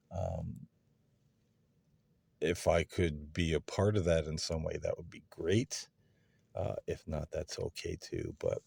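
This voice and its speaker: A man hosting a paranormal session, asking earnest, polite questions in halting, tentative phrases with pauses. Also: a bass voice, creaky, a little mellow, no echo. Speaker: paranormal investigator hosting his own video series. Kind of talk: earnest spoken questions to unseen beings.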